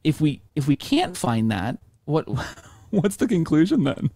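A man in his thirties hosting a podcast over a video call, thinking aloud in halting, repeated phrases. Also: fairly high pitch, huge pitch swings, vocal fry, mellow, dry recording. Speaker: podcast host. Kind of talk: casual podcast discussion. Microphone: video call microphone.

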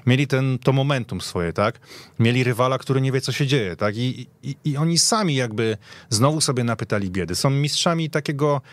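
A man's voice: mid-range voice, lively intonation, brisk, no echo. A man talking casually as a football pundit on a podcast, conversational and given to tag questions. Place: radio studio.

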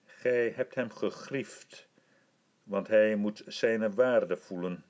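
Stately old emperor, gracious and commanding, very unhurried; a man doing the voice. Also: fairly low pitch, darkish tone. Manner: stately, measured and formal. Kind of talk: audiobook reading.

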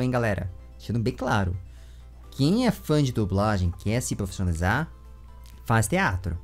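Animated young Brazilian male host. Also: mid-range voice. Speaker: interviewer and channel host. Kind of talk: casual video chat with viewers. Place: small room with bookshelves. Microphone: large studio microphone up close.

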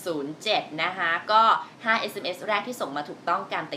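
A woman's voice: lowish voice, fast, a little hiss or hum. A woman radio DJ reading a ticket giveaway and its rules in a playful announcer style. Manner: lively announcer delivery, playful. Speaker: radio DJ co-host. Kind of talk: radio DJ promo read.

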